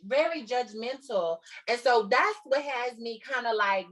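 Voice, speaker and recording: A woman's voice: on the high side, animated, a little slow, fairly bright tone. A woman from Texas with a Southern Black American accent, telling a story casually and emphatically, repeating herself for effect. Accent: Southern African American English.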